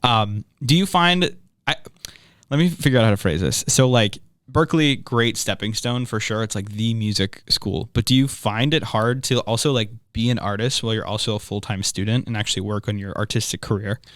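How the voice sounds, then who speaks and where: A man's voice: fairly low pitch, a little fast, a bit bright, dry recording. A young man hosting an interview in a studio, chatty and enthusiastic, using casual slang. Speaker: host.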